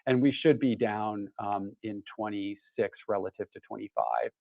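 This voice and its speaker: A man with a fairly low, gravelly voice talks through pricing and spending on an earnings call as finance chief. He is measured and leans on "um" and "you know". The line is dry and thin, like a phone. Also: steady tone, no room sound, phone-quality sound.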